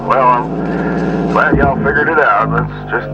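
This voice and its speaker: A man voicing a weary, gruff male work-crew supervisor in a video game, speaking in a slow, tired drawl. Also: mid-range voice, highs cut off. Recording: game dialogue under loud music.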